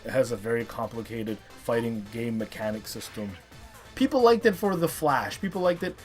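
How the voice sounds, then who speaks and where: A man in his thirties hosting a casual, chatty video countdown, talking in an animated, emphatic way with playful hype. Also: medium pitch, normal speed, soft background music. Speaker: host of a top three video series.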